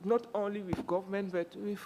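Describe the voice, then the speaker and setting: A woman from Cameroon speaking up as a panelist. She pauses often, restarts and fills gaps with "uh". Her voice carries a long reverb, as if recorded in a large room. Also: medium pitch, flat delivery, dark tone. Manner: hesitant, many fillers and restarts. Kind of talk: panel discussion remarks.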